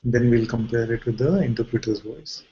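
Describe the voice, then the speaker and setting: A man leading an informal guided spiritual dialogue as a teacher, asking probing questions and pausing mid-sentence. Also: medium pitch, warm tone, dull audio.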